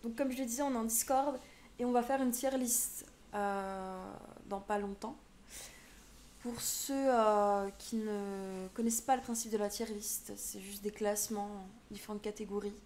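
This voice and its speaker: A woman's voice: mid-range voice, fairly even intonation, unhurried, darkish tone, slight background noise. A woman in her twenties with a French accent, chatting playfully as a live streamer and switching into accented English. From France. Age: 20s. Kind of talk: casual live stream chat.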